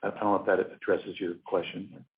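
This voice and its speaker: A man with a lowish voice explains technical material on a conference call. He is measured and hesitant, choosing words carefully. The audio is muffled and band-limited like a telephone. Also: flat delivery, heavy background noise. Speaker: company scientist. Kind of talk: technical answer on an earnings call. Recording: narrow muffled phone line.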